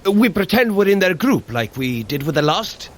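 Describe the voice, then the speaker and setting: A big-hearted, earnest thunder god with a mid-pitched, lively voice. He sounds sincere and gentle, worried about others. A light hiss of ambience hangs in the background of this audio drama. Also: normal speed. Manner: sincere and good-natured.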